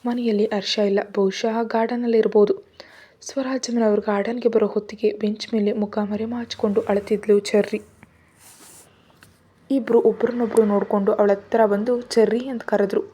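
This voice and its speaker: A woman narrating a dramatic audio story in a calm, even manner. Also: mid-range voice, normal speed, husky. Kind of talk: scripted narration.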